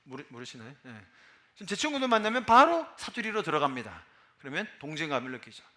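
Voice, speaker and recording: In a church sanctuary, a pastor in his forties from Busan, South Korea, preaches a chatty sermon in the Busan Gyeongsang dialect, asking the congregation questions. His voice is a little high, bright, and forceful, very animated and quick.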